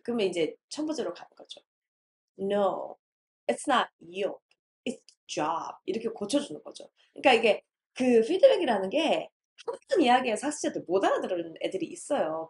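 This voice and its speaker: A woman lecturing on English teaching methods, explaining in Korean and reading English definitions slowly, sometimes acting out a teacher and a student. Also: on the high side, darkish tone. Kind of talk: recorded lecture.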